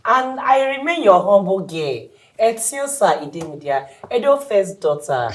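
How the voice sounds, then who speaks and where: A woman's voice: mid-range voice, big pitch swings, unhurried, low-quality recording. A woman with a Nigerian accent co-hosting a studio talk show, bantering teasingly in Pidgin and English. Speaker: co-host. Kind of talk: playful radio-style chat in Pidgin and English.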